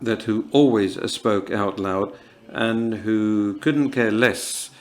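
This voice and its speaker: A man in his fifties from Morocco, speaking at a writers' panel in a halting, earnest way, with many pauses and fillers. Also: lowish voice. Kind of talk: reflective festival panel talk.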